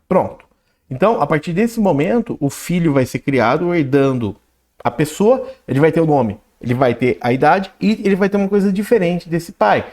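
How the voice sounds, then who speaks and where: Lively tutor explaining code. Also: male voice, on the high side. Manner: talks while typing code, reads output aloud, frequent "né?" and "ok?". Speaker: programming instructor. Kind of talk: screen-recorded coding tutorial.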